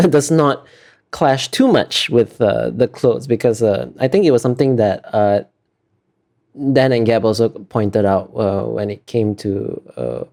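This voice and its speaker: A man's voice: fairly low pitch, gravelly, mellow. A man being interviewed as an artist, talking casually and thoughtfully, feeling his way through explanations in trailing clauses.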